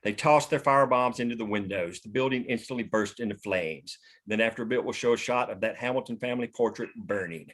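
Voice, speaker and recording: A man's voice: mid-range voice, a little fast, few pauses, a bit bright. A man narrating stage directions from a screenplay at a table read.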